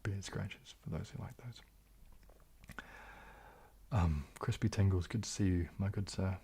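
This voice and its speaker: A man with a soft New Zealand accent that can pass for British, chatting to viewers on an ASMR livestream in a hushed, breathy, often half-whispered voice, polite and halting. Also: sits low. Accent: New Zealand, soft, often taken for British. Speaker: ASMR YouTuber hosting a live stream. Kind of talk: ASMR livestream chat, reading and answering viewer comments.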